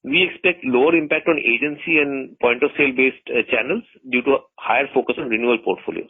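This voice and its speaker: A man with an Indian accent reads formal corporate remarks as a company executive, measured but now and then stumbling over words. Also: mid-range voice, breathy edge. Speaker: company executive presenting quarterly results and outlook. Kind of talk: formal prepared corporate remarks, read from script. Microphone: telephone conference call. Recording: muffled tinny conference phone line.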